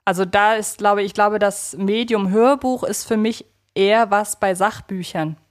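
A woman's voice: mid-range voice, steady tone, moderate pace. A woman co-hosting a podcast, speaking conversationally and reflectively, often qualifying her own opinions. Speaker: podcast co-host.

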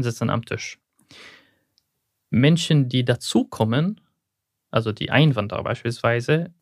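Young guy in an interview, pauses to find his words, dry close sound. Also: medium pitch, a little mellow, dry recording. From Syria. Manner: thoughtful, searching for words, some slips in German. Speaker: guest. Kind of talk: reflective interview answers.

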